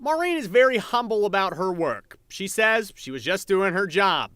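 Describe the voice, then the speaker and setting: A man with an American accent and a high-set voice reports the news. He speaks as a television reporter telling a local story. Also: sing-song, normal speed, fairly bright tone, smooth. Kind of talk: scripted news narration.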